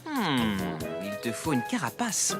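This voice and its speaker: A man's voice: mid-range voice, huge pitch swings, unhurried, over loud music. A man voicing a helpful, easygoing father in a French children's cartoon. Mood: thoughtful.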